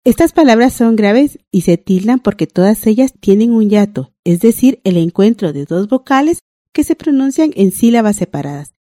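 A woman teaching a language lesson on a broadcast, reading out rules and examples in a clear, deliberate way. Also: mid-range voice, lively intonation, warm tone, dry recording, studio quality.

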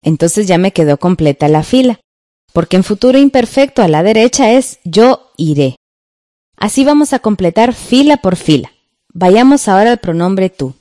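A woman with a Guatemalan Spanish accent explains verb conjugations from a textbook, speaking slowly and carefully. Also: mid-range voice, animated, warm tone, dry recording, studio quality. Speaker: teacher. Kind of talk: textbook grammar lesson.

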